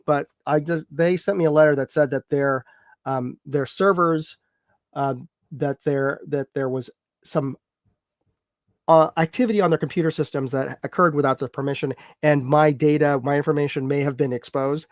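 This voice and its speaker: A man's voice: a little high, steady tone, moderate pace, dry recording. A man hosting a live chat show, talking casually and rambling a bit, congested from a cold. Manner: rambling, filler-heavy, chatty with viewers.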